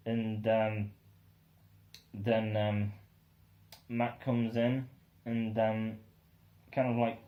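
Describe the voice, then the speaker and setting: A young man with a somewhat low-pitched voice reviews an album track by track. He rambles, leaning on um and uh between thoughts, and sounds keen about what he hears. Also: dull audio. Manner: rambling, many ums and uhs, enthusiastic. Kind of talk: casual spoken album review.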